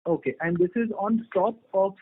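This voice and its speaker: Higher-voiced Indian man on a phone line. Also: normal speed. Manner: polite, hesitant, double-checks understanding. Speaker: caller, analyst asking questions. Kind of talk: earnings call questioning. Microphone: phone call. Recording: dry, thin phone-line sound.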